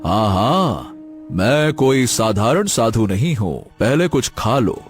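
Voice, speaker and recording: An actor voicing a wise, mysterious old hermit sage in a cartoon story, speaking calmly and soothingly. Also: male voice, medium pitch, soft background music. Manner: calm, soothing, measured.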